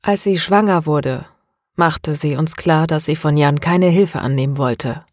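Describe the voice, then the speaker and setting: A woman voicing a calm, tired middle-aged man confessing his past, in an audiobook. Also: sits low, no room sound, clean studio sound. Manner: calm, even and measured.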